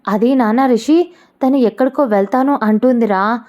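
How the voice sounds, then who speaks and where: A woman's voice: a little high, normal speed, a little mellow, lightly acted. A woman voicing a middle-aged mother who talks in a scolding, protective way. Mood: worried. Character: middle-aged mother, caring but stern.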